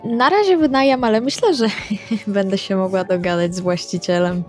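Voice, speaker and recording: A woman's voice: mid-range voice, normal speed. A woman playing a tabletop role-playing game, casually speaking in character and describing her actions. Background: music.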